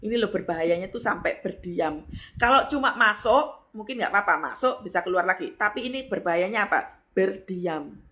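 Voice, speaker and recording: A middle-aged woman pastor, preaching a lively sermon and acting out voices with sudden high exclamations. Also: moderate pace.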